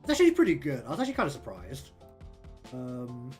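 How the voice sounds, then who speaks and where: A man with a New Zealand accent chats loosely on a livestream, wandering through his thoughts with plenty of ums and likes. His voice sits at an ordinary middle pitch, with soft lofi music playing faintly behind. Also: huge pitch swings, fast talker. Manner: rambling, many ums and likes. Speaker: streamer and artist. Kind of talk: casual livestream chat.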